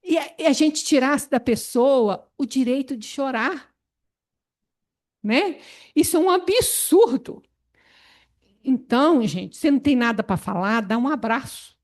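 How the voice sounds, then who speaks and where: A woman, leading a spiritist study group in an animated, expressive way. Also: high-pitched, measured pace. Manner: animated, expressive, laughs often. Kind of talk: spiritist Bible study talk.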